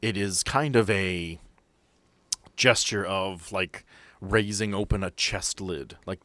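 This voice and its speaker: A man's voice: low-pitched, a bit bright, no echo. A man working as game master, narrating a tabletop role-playing game in a descriptive, explanatory way with asides.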